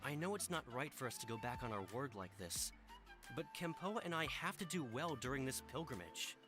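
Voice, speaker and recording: A man's voice: mid-range voice, lively intonation, a little fast, music in the background, close to an everyday voice. A man voicing an apologetic, anxious veteran tribal warrior in a game, earnest and pressing. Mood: apologetic, frustrated.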